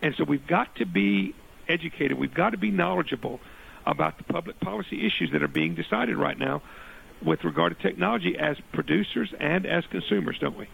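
A man hosting a radio interview in a rough, gravelly, hoarse voice, repeating phrases for emphasis. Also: on the high side, expressive, fairly quick, a bit bright, low-quality recording. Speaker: radio talk show host.

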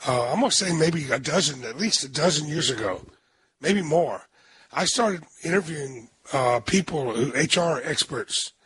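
Hoarse older man hosting a talk show. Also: a little high, animated, moderate pace, a bit bright. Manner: chatty, rambling with restarts. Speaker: radio talk show host. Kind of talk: radio talk show interview.

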